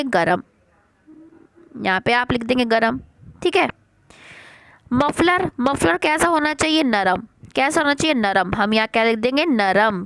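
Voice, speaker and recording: A woman's voice: fairly high pitch, fairly bright tone, no room sound. A woman teacher going through a worksheet lesson for young children, asking questions and answering them herself. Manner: asks questions and answers them herself, repeating key words.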